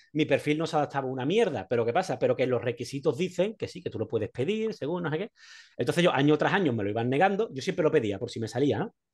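Against a quiet background, a man with a fairly high, somewhat breathy voice talks at a very fast pace with very wide pitch swings. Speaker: veterinarian and traveller. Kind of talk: casual interview.

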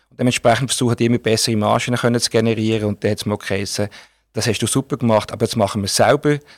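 A man talks at a medium pitch. The sound is dry and close with no echo, on a very clean recording with a silent background. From Switzerland, Biel area. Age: 50s. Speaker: football club president. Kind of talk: radio interview. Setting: radio studio. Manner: hesitant, many fillers.

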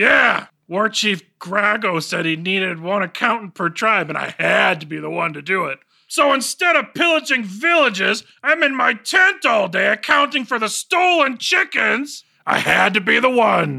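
In a whiny, put-on character voice, the speaker talks at a fairly high pitch and a moderate pace, with hardly any pauses. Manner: shouting, whiny.

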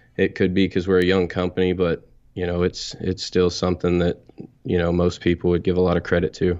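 Very deep and low in pitch, a man speaks with a Texan accent in a monotone, flat intonation at very even loudness. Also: fairly quick pace. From North Texas. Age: 20s. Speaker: oil and gas investment executive. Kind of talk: interview.

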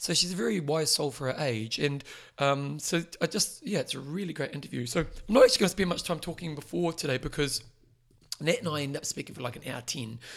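On a very clean recording with a silent background, a man talks very fast with a New Zealand accent, fairly high pitch and lively intonation. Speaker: podcast host. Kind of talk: casual interview.

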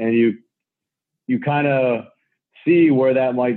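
The pace stays fairly slow. The voice is in an American accent. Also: man. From Massachusetts, Cape Cod. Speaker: lacrosse recruiting consultant and coach. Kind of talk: casual interview.

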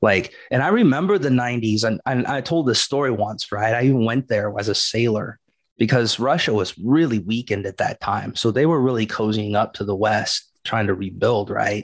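An ordinary speaking voice from a man with an American accent, medium pitch, ordinary pitch variation and a moderate pace with hardly any pauses, set against a quiet background. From United States. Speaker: podcast co-host. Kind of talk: casual chat.

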